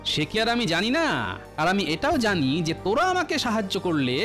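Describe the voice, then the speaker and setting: A sly old court jester, cartoon voice, bouncy swoopy delivery, music under it. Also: male voice, sits high, wildly swooping pitch, a little fast, fairly bright tone, heavily acted. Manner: sly, playful, musing. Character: clever witty old male court jester. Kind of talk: cartoon voice acting.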